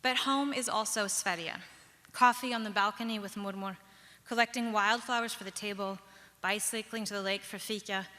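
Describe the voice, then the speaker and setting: A young woman from the Pacific Northwest telling a personal story on stage, measured and reflective, with lilting pauses. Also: medium pitch, steady tone, bright, forceful tone. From Pacific Northwest, USA. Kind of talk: personal story told live. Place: large hall, live stage. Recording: long hall reverb.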